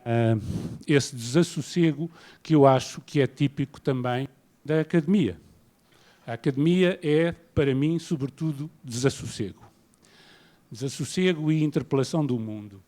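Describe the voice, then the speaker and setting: A man from Portugal with a European Portuguese accent, giving an academic lecture in a measured, self-deprecating way. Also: mid-range voice, dark tone. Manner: measured, self-deprecating, paces around while speaking. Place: lecture hall.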